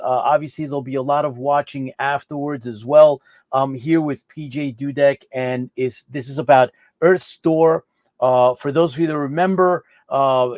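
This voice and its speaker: A chatty man hosts a live online interview show. His voice sits a little high, and the sound is close and dry with no room echo. He often repeats words and restarts his sentences. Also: a little mellow. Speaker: host.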